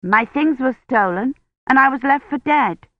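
A woman's voice: sits high, animated, normal speed, no echo, voice pushed up. A woman reading an eager young woman historian. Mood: reassuring. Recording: dry, slightly dull lo-fi recording.

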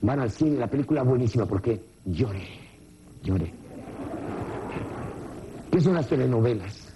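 A man giving a live personal development seminar, joking and constantly quizzing the audience in an animated way. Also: medium pitch, quick pace, slight background noise, low-quality recording. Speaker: motivational seminar speaker.

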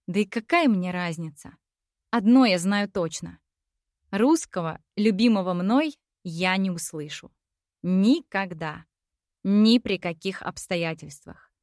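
A woman's voice: medium pitch, no echo. Woman narrating a novel, dry close sound. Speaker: audiobook narrator. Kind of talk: first-person literary narration.

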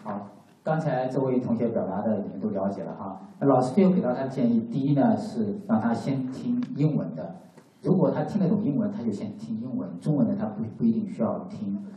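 A man's voice: medium pitch, fairly quick, dark tone. A man working as a class interpreter, speaking hesitantly with frequent fillers. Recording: dull, echoey, far from mic.

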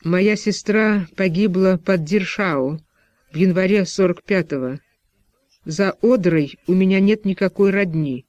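A reserved, weary doctor answers in curt, guarded sentences, as a man reading the story voices him. The voice is fairly high for a man. The recording is dry and a little dull. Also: a little slow, darkish tone, no room sound.

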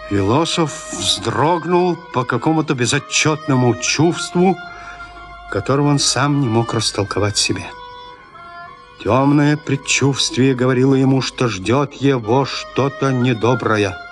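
A man narrating a classic story in a radio play, reading in a measured, expressive literary way. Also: medium pitch, faint music behind.

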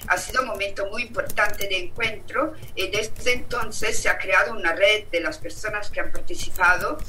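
A woman with an Italian accent, speaking Spanish as a second language at an online meeting, halting with many fillers and restarts. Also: mid-range voice, sharp tone. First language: not Spanish. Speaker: activist speaker. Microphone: video call. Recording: distant mic with faint hiss.

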